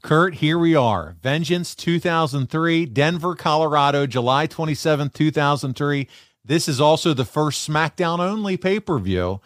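A man's voice: fairly high pitch, lively intonation, normal speed, no echo, studio quality. A man hosting a podcast in a casual, chatty way. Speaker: podcast host.

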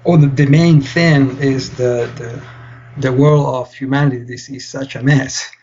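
A man's voice: mid-range voice, fairly even intonation, measured pace, darkish tone, highs cut off, slight background noise. A young man from Spain, a PhD student, explaining his work earnestly as a podcast guest. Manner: earnest, explains with many fillers and restarts. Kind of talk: interview answers.

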